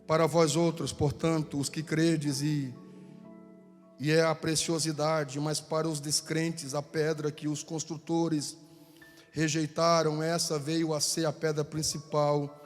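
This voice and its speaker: A man with a Brazilian Portuguese accent preaching a fervent Pentecostal sermon in a church, repeating phrases and rising to shouts. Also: a little high, flat delivery, unhurried. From southern Brazil. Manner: fervent, repetitive, rises to shouting. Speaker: pastor. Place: church sanctuary. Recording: church hall with long reverb, faint music.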